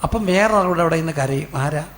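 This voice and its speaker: A middle-aged man delivers a sermon as pastor, animated and storytelling, pausing to quiz his listeners and answer each question himself. His voice sits a little high and carries a gravelly rasp. A faint ambient hum runs under the recording.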